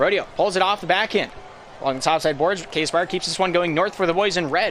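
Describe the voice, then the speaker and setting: A man's high voice at a very fast pace, with noticeable background noise. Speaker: esports hockey play-by-play commentator. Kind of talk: live commentary. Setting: live stream. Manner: stutter.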